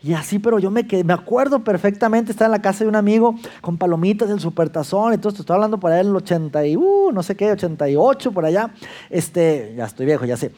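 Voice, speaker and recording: A man's voice: sits high, animated, fast talker, dark tone. A man in his fifties with a Mexican accent, preaching a sermon in a conversational way and acting out the prayers and voices he quotes. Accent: Mexican Spanish. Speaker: pastor.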